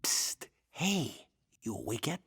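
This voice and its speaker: An actor playing an earnest, anxious captive prison warden in a video game, speaking with urgency. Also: male voice, medium pitch, very animated, takes it slowly. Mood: hushed conspiring. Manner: hushed, urgent. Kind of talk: video game cutscene acting.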